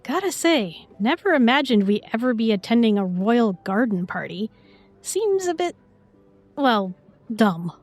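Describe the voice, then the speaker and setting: Woman playing a sassy, higher-voiced young woman. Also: big pitch swings, unhurried, soft background music. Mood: flippant. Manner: flippant, slangy, unimpressed. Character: sassy, irreverent young woman from another world. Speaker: voice actor in audio roleplay. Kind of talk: casual fantasy audio roleplay acting.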